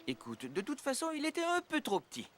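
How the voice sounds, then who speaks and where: A man's voice: extremely high pitch, huge pitch swings, brisk, a bit bright, heavily acted. A man voicing a kind, patient young father in a French children's cartoon dub. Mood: gentle, cheerful. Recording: music under the voice.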